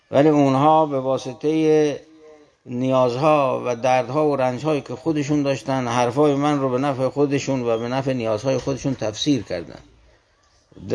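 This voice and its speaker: A man in a conversation, explaining poetry in a measured, formal way and reciting verse lines slowly. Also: mid-range voice, darkish tone. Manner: polite formal address. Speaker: guest explaining classical poetry.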